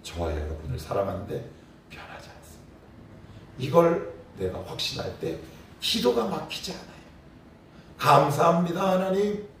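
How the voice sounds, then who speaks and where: A male pastor giving a lively sermon, asking his congregation questions and acting out little scenes. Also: on the high side, a little hiss or hum. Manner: animated preaching, acting out scenes and rhetorical questions. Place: church sanctuary. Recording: very echoey church hall, voice from a distance.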